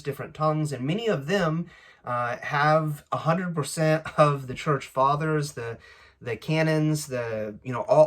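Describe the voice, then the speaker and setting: Casual man introducing himself, halting delivery. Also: medium pitch. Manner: halting, searching for words. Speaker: language-learning channel host. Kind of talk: casual unscripted introduction to camera.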